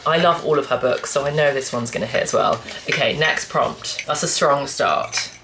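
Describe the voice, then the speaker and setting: A young woman, croaky from a cold, chatting casually about books to camera with lots of restarts. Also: very deep voice, normal speed, noisy background. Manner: chatty, rambling, full of "like" and restarts. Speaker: book vlogger.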